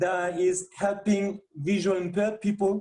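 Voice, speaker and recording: With a strong French accent, a man speaks at a fairly slow pace in a high pitch. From France. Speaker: visually impaired writer and association leader. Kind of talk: interview. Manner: careful, deliberately clear.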